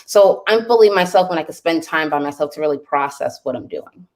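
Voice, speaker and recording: A woman guest answering reflectively and calmly in an interview. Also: low-pitched, a little fast. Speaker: summit speaker, guest. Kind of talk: casual interview.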